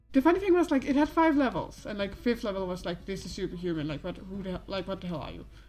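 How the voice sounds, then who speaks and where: A woman with a Danish accent talks at a very fast pace with hardly any pauses, her medium-pitched voice swinging very widely in pitch over noticeable background noise. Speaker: video game streamer. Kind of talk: live gaming stream chat. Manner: casual, halting with restarts.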